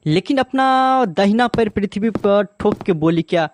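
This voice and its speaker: Expressive Bihari storyteller man. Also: high voice, a little slow, dry recording. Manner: expressive, repeats phrases for emphasis. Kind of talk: animated bedtime story narration.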